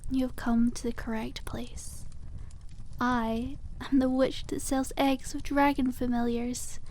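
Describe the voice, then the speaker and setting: Woman as a high-voiced, unhurried, coy witch. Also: little pitch movement, slight background noise. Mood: welcoming, coy. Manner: soft, teasing, old-fashioned courteous shopkeeper phrasing. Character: cute, coy, kindly witch selling dragon eggs. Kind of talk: ASMR roleplay, scripted and addressed to listener.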